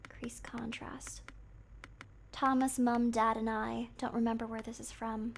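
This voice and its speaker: A woman's voice: a little high, little pitch movement, moderate pace, slight background noise. A woman livestreamer with a cute, girlish anime-like voice, commenting casually and playfully on a game to her chat, sometimes murmuring to herself. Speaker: livestreamer playing a horror game.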